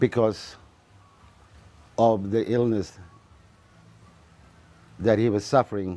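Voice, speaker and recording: A man speaks at a fairly low pitch with fairly even intonation, very slowly. Long, frequent pauses break his speech, and music plays in the background. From Broome, Western Australia. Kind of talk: interview testimony.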